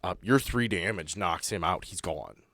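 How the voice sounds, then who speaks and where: A man's voice: sits low, moderate pace, a bit bright. A man working as game master, narrating a tabletop game in a conversational, descriptive way with plenty of explanation.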